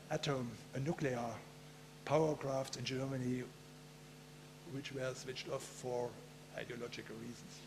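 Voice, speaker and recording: Halting gravelly man giving a talk. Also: medium pitch, background noise. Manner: halting, many filler pauses. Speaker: conference speaker. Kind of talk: conference talk.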